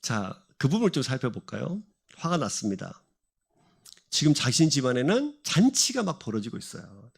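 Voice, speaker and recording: A man's voice: mid-range voice, big pitch swings, moderate pace, gravelly, husky. A middle-aged man preaching a sermon to a congregation, asking them questions and answering them himself. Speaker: pastor. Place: church sanctuary.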